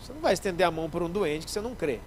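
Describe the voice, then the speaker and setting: A man, a pastor preaching a sermon in church, lively, acting out little scenes and speaking straight to the congregation. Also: high voice, rapid-fire, slight background noise, rough recording. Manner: animated, acts out scenes, addresses the congregation directly.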